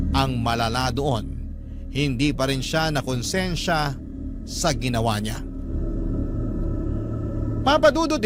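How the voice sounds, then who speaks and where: Man reading a dramatic radio letter, kinda high voice, earnest and emphatic, clear music under it. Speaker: letter narrator. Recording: steady background music.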